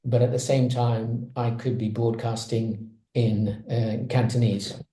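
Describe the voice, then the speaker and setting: A man's voice: medium pitch, level tone, measured pace, dark tone, roomy sound, poor audio. A man speaking on a webinar panel, explaining ideas conversationally with examples over a video call.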